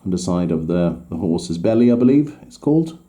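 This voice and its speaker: A Swedish native speaker narrates a miniature painting tutorial in English, his low, dark voice fairly quick with lively intonation. He sounds hesitant, restarting and correcting himself mid-work.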